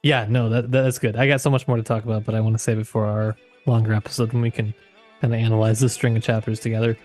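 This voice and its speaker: A man co-hosting a podcast, talking through literature casually in a reflective, halting way. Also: fairly low pitch, flat delivery, darkish tone, soft background music. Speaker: podcast co-host.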